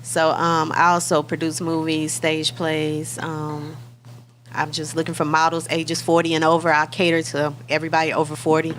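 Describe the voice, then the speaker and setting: A woman's voice: low voice, monotone, moderate pace, a bit bright, a little hiss or hum. A woman, a talent agency head, talking casually about her agency and podcast as a guest. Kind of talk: casual chat.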